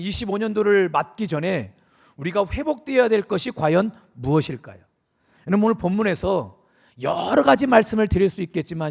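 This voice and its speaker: A middle-aged man preaches to his congregation in a church sanctuary. His voice sits high and carries a gravelly edge. He speaks earnestly and confessionally, turning again and again to address his listeners. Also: a little mellow. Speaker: pastor. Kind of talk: sermon.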